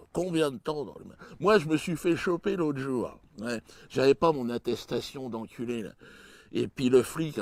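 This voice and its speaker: A man performing a stand-up comedy routine in a crude, mocking way, jumping suddenly in pitch and loudness. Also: gravelly, no echo.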